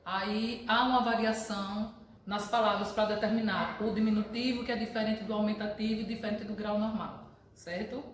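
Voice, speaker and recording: A woman's voice: medium pitch, steady tone, slight background noise. A female schoolteacher from Brazil giving a recorded grammar lesson, explaining step by step and checking in with her pupils. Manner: explains slowly, checks in with "certo?". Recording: very echoey room, voice far from mic.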